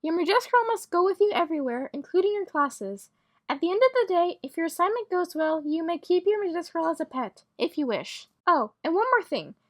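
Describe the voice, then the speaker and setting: A woman playing a timid, kindly magic-school creature teacher with a polite, hesitant manner in an animated roleplay story. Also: extremely high pitch, fairly quick, no echo, clean studio sound. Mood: gentle, instructive.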